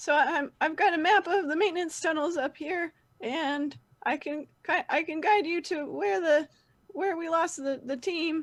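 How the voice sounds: A put-on character voice, squeaky and delivered at a moderate pace. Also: woman, extremely high pitch for a woman.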